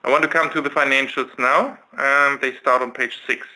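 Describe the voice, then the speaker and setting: A man giving a scripted financial results presentation as a chief executive, in a formal, measured manner. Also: medium pitch, fairly even intonation, sharp tone, rough recording. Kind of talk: scripted financial presentation on an investor conference call.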